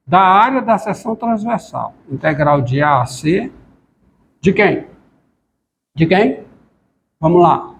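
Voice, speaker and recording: A man's voice: high-pitched, vocal fry, slight background noise. A man giving a calculus lecture, talking while he writes and repeating questions to the class. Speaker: math lecturer.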